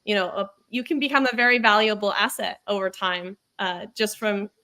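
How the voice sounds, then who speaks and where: Bright-voiced woman hosting a podcast. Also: medium pitch, fairly quick. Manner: friendly, rambling, many fillers. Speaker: podcast host. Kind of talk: casual interview chat.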